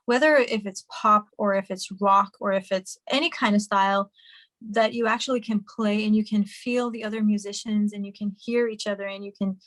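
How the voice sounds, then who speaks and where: A woman's voice: medium pitch, fairly even intonation, moderate pace, fairly bright tone, no echo, poor audio. A young woman from Hungary, a singer and musician, answering interview questions in a chatty way with many fillers and restarts over a video call.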